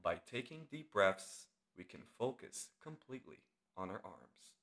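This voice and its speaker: A man's voice: lowish voice, big pitch swings, a bit bright. Man guiding a meditation with swooping intonation. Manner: deliberate short phrases with long pauses. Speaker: guided meditation instructor. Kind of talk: guided meditation narration, soothing instruction.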